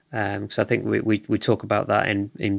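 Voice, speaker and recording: In a British accent, a man speaks at a fairly low pitch with flat, monotone intonation. The recording is very clean, with a silent background. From United Kingdom. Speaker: radio host. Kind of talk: interview discussion. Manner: hesitant, many fillers.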